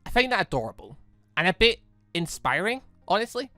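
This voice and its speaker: A gaming video host with a chatty, animated manner, giving casual commentary and reading game text aloud. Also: mid-range voice, a little fast, no room sound, faint music behind.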